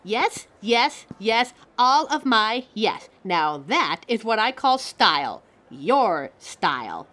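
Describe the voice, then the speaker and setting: A woman's voice: a little high, sing-song, takes it slowly, hardly any pauses, fairly bright tone, full character voice. A woman voicing a living fashion mannequin in a scripted audio roleplay, haughty yet encouraging, with a dramatic, articulate delivery aimed straight at the listener. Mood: excited, approving. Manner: theatrical, dramatic, articulate, addresses listener as darling.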